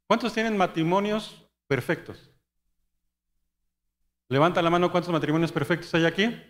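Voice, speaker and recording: Male pastor, higher voice, lively storytelling sermon, long hall reverb. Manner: storytelling, quick and conversational, acting out dialogue. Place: church hall.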